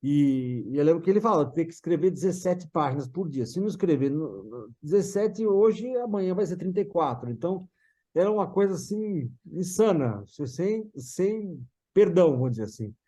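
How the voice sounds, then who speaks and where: A mature Brazilian man reminiscing casually in conversation, halting and restarting his phrases. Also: a little high, animated, dark tone. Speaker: guest recalling a parent's career.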